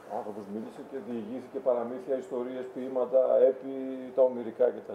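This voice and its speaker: A man talks at a moderate pace with ordinary pitch variation, with light background noise and audible room echo. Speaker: interviewer. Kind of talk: interview talk. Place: shop. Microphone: camera far.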